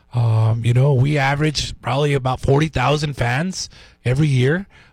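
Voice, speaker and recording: A man's voice sounds somewhat breathy. His intonation is fairly even. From New Mexico. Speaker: sports media relations director and podcaster. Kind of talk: casual interview chat.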